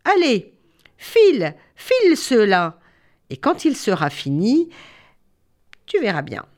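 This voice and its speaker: A woman voicing a stern queen who gives orders in a lowered, imperious voice. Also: huge pitch swings, slow, darkish tone, full character voice. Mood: commanding.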